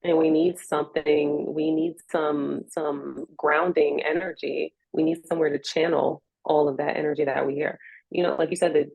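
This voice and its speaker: A woman's voice: sits low, steady tone, moderate pace, gravelly, darkish tone, husky, dry recording, rough recording. An American woman in a reflective interview conversation, speaking in an earnest, encouraging way. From Richmond, United States.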